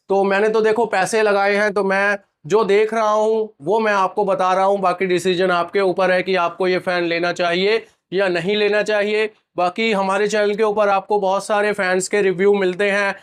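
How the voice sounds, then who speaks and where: Male reviewer-host, high and smooth voice, sore throat, chatty hands-on walkthrough. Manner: chatty, talks viewers through a live test. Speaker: product reviewer, channel host. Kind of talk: casual product review vlog.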